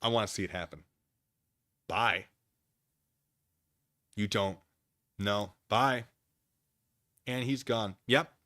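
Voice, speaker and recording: A man's voice: fairly low pitch, slow pace, pauses often, bright, forceful tone, no echo, clean studio sound. A man hosting a livestream, chatting casually with viewers in a theatrical, emphatic manner. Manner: theatrical, emphatic, exasperated debating. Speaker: livestream host.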